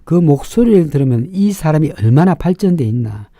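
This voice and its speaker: A middle-aged man with a slightly raspy, sharp-edged voice, explaining things informally and emphatically as an opinionated fortune-telling show host. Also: fairly high pitch, very animated, fairly quick, no echo, studio quality. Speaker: fortune-teller and face reader hosting a show.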